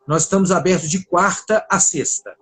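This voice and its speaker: A man with a high, husky voice hosts a live online conversation. He speaks in a friendly, measured way, often starting with small hesitations before he invites his guest to talk. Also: a bit bright. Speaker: host, mediator. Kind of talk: casual live interview.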